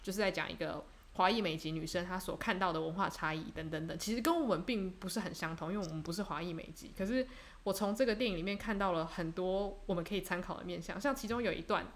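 A woman's voice: lowish voice, fast talker. A young woman from Taiwan co-hosting a podcast, chatting casually and reflectively, with fillers and restarts. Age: young adult. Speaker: podcast co-host. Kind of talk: casual chat.

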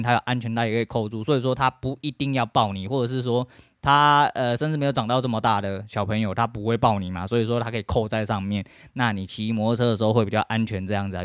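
A man's voice: mid-range voice, clear, resonant tone, no room sound, clean studio sound. Angry, foul-mouthed Taiwanese man ranting. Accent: Taiwanese Mandarin. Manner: swears constantly, shouts in bursts of anger. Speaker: podcast host. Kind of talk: profane solo rant.

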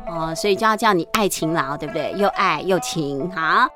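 A woman reading a picture book aloud to children as a bedtime storyteller, lively and chatty, often asking the kids questions. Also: fairly low pitch, moderate pace. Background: background music.

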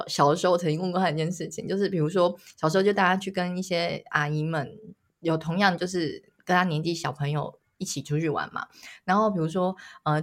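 A woman co-hosting a casual chat podcast, a teasing storyteller who often bursts into laughter. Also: on the low side. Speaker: podcast co-host.

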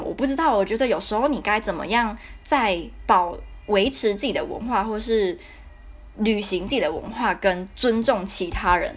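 A woman's voice: lowish voice, husky. A young woman from Taiwan with a Taiwanese Mandarin accent, hosting a podcast and telling a personal story in a candid, indignant way, full of fillers. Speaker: podcast host. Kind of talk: casual storytelling monologue.

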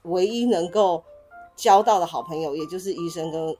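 A woman's voice: fairly low pitch, normal speed, mellow, soft background music. A woman with a Taiwanese Mandarin accent hosting a podcast in a casual, conversational style. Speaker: podcast host. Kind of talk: casual chat.

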